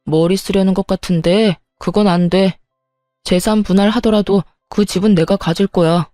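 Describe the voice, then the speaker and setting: A woman's voice: medium pitch, fairly even intonation, normal speed, warm tone, no echo, studio quality, soft background music, close to an everyday voice. A woman voicing a petty, scheming young husband who talks in a blunt, dismissive way. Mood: cold dismissive.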